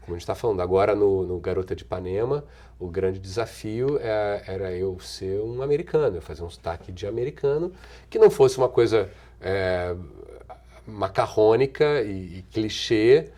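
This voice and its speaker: A middle-aged man with a Brazilian accent, an actor and singer answering interview questions thoughtfully, with restarts, trailing pauses and frequent chuckles. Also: on the low side, lively intonation, dark tone. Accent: Brazilian Portuguese. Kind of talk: relaxed conversational interview answers.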